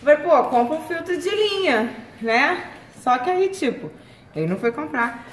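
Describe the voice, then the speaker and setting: A woman's voice: sits high, very animated, normal speed. A young woman with a Brazilian accent chatting casually as co-host of a vlog, picked up by a phone camera. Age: young adult. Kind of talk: casual chat. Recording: echoey rooms, some noise and chatter.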